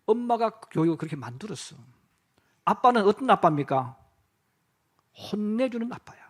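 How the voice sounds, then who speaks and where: High-voiced male pastor preaching. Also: big pitch swings, moderate pace. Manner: asks the congregation questions and answers them himself; addresses the listeners directly and often. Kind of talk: sermon. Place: church sanctuary.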